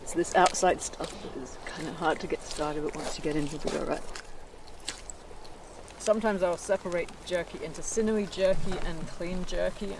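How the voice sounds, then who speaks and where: A man who teaches wilderness skills, speaking slowly and reflectively in a documentary interview and while teaching. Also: high-pitched, creaky, noisy background.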